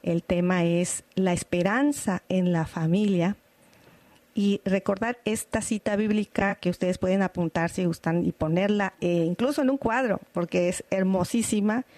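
A woman hosting a Catholic radio talk show, leading prayers in a measured, prayerful way. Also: mid-range voice, dark tone, no room sound. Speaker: radio host.

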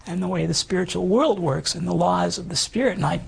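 A man around fifty with a hoarse, damaged voice, earnestly telling his life story as an interview guest, halting and full of restarts. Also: high voice, a little hiss or hum. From Canada. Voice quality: hoarse, gravelly voice. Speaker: guest sharing his testimony. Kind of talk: personal testimony in conversation.

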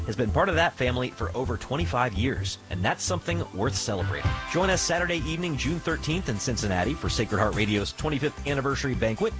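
Lively male morning radio host. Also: medium pitch. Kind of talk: live morning radio hosting.

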